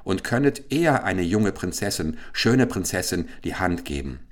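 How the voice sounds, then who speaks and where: Ein murrender alter Großwesir, von einem Mann gespielt. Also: male voice, low-pitched, very animated, normal speed. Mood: indignant. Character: old grand vizier turned stork, grumbling.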